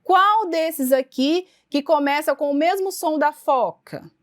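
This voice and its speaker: A woman's voice: sits high, slow pace, dry recording, clean studio sound. A woman teacher giving a recorded online lecture with a Brazilian Portuguese accent, explaining step by step with frequent tag questions and restarts.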